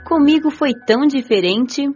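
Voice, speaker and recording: A woman playing a gentle, curious young female spirit who narrates and talks in a radio drama. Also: sits high, lively intonation, moderate pace. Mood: curious, reflective. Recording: dull, muffled audio with music. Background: music.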